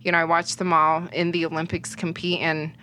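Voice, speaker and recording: A woman's voice: sits low, completely flat delivery, brisk, bright, forceful tone. A young woman whose first language is Cantonese, chatting as a guest sports reporter in a rambling way with plenty of fillers. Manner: chatty, rambling, heavy on fillers like "you know". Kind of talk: casual interview chat.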